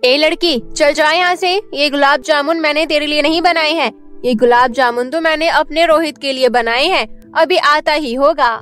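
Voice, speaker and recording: In a cartoon story, a woman voices a middle-aged stepmother who is mean, nagging and scornful, scolding as she speaks. Her voice sits high and sounds a bit bright at a normal pace. Soft music plays in the background.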